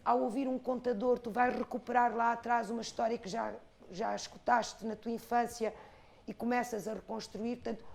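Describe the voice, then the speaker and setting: A Portuguese woman in her fifties from the Algarve, an expressive storyteller talking about her life and craft, with an Algarve accent. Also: fairly high pitch, gravelly. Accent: European Portuguese, Algarve. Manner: expressive storyteller, rhythmic lists. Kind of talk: reflective interview talk.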